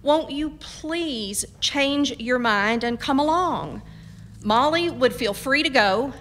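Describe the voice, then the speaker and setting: An actress playing a firm, practical frontier mother in a radio drama, with a brisk, folksy, scolding manner. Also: high-pitched, lively intonation, a bit bright, slight background noise, exaggerated voice. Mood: pleading, exasperated.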